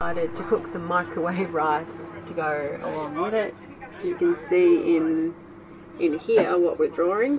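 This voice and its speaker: Noticeable background noise sits behind a woman speaking at a fairly slow pace. Her pitch is fairly low, with ordinary variation. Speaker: travel vlogger. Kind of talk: casual vlog chat. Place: home room. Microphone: camera far.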